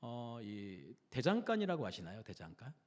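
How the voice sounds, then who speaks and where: A man's voice: mid-range voice, wildly swooping pitch, moderate pace. A man preaching a Wednesday sermon in a conversational way, often putting questions to the congregation. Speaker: pastor. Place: church sanctuary. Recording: long church hall reverb.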